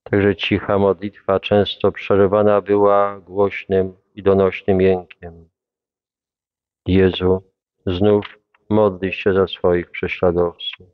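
A man reading a devotional Passion text aloud in a solemn, measured, reverent way. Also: low-pitched, completely flat delivery, smooth, dry recording, lo-fi sound.

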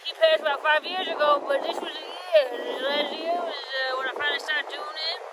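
A woman's voice: high voice, steady tone, a little fast, heavy background noise, natural voice. A woman playing an earnest recovering addict who rambles philosophically in a comedy monologue outdoors. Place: outdoors on a beach.

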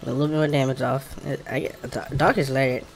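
A man's voice: medium pitch, little pitch movement, quick pace. A man with an African American English accent gives casual commentary while playing a video game, informally thinking aloud and muttering to himself. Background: game music.

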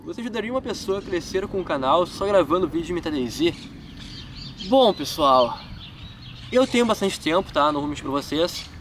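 His voice on the high side and fairly bright, a young man from Rio Grande do Sul answers fan questions in a park vlog, speaking southern gaúcho Portuguese with lively intonation at a fairly quick clip. The gaming YouTuber chats casually, using plenty of filler tags and laughing at himself. A distant camera mic in the wooded park picks up outdoor noise.

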